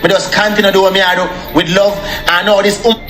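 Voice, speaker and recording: A man's voice: sits high, level tone, fairly quick, a bit bright, reverberant. A young man with a Jamaican accent ranting angrily on a live stream, repeatedly calling out to his viewers. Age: young adult. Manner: repetitive, addresses viewers as people. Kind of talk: angry live-stream rant.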